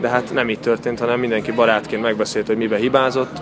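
A man talks at a very fast pace in a monotone, flat delivery. Noticeable background noise runs underneath. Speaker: water polo goalkeeper. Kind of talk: post-match interview. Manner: halting, many repetitions.

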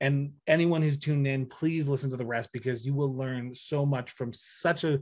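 This man's voice is somewhat breathy. He speaks at a moderate pace against a quiet background. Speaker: podcast host. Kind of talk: interview question. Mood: apologetic, friendly, animated. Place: home room.

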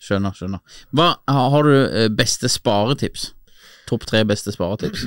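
A man with a Norwegian accent talks at a fairly slow pace with ordinary pitch variation. The sound is dry with no echo, over a quiet background. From Norway. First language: Norwegian (speaking Swedish). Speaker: podcast host. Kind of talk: casual interview. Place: studio. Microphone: studio mic.

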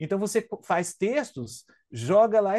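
A man's dark, mellow tone moves through very wide pitch swings against a quiet background. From Minas Gerais, Brazil (Araguari); Minas Gerais. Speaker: lawyer and university professor; lawyer, university professor. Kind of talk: interview talk. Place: home room. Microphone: video call.

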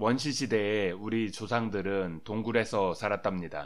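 Using a normal speaking voice, a man talks fairly slowly at a fairly low pitch with fairly even intonation. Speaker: science commentator. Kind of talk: scripted narration. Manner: formal.

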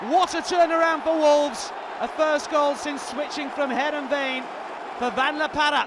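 Crowd noise sits behind a man with a British accent and an extremely high pitch. His tone is animated and his pace moderate. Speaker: football commentator. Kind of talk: live football commentary. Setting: stadium broadcast commentary. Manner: animated, excitable.

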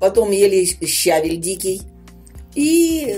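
Faint music plays behind a woman whose intonation is lively. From Kazakhstan. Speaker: grandmother. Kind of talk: casual chat. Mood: calm, reminiscing. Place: home room.

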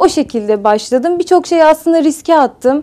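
A woman speaks with a dark, mellow tone. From Ordu, Turkey. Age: 20s. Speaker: handcraft designer and mother. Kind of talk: casual interview. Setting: studio. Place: studio.

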